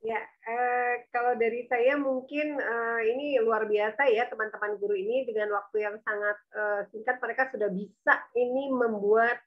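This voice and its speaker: A woman's voice: fairly high pitch, fairly even intonation, moderate pace, hardly any pauses. A woman commenting during an online workshop over a video call, hesitant and searching for words. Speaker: workshop co-host giving comments. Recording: dull video call audio.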